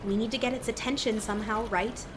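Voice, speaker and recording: A headstrong young cryptid girl, played by a woman, with a fairly high voice. She talks impulsively and argues casually in an audio drama, over clearly noisy watery ambience. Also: steady tone, fast, natural voice. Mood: agitated, stubborn. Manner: impulsive, argumentative, casual speech.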